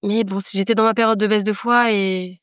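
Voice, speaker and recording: A woman's voice: medium pitch, fairly even intonation, fairly quick, clean tone, no echo. A woman speaking as a podcast guest in casual conversation, giving an earnest, emphatic personal testimony and repeating phrases for emphasis.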